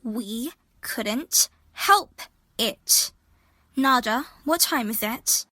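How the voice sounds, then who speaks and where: A woman's voice: fairly high pitch, lively intonation, drawn-out words, bright, forceful tone, no room sound, heavily acted. A woman playing a defensive, sardonic young time-travelling adventurer in an audio drama. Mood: weary.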